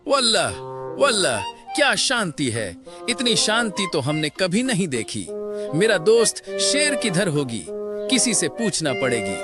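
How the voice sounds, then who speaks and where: Lady doing an arab accent camel sheikh, cartoon, real slow, sing-song swoops, friendly, broken grammar. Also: on the low side, sing-song, music in the background. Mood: wondering. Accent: Arab, put on. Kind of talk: animated moral-story cartoon voice acting.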